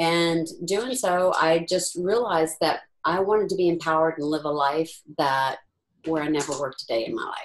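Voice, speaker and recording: In a Texan accent, a woman speaks at a fairly low pitch. Her pitch variation is ordinary. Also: moderate pace. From Texas. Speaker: intuitive success coach. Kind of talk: webinar presentation.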